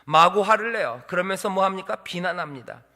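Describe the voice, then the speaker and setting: A male pastor preaching an animated sermon, firing rhetorical questions at the congregation. His voice sits high and rings bright. The sound carries the long reverb of a church hall. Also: a little fast.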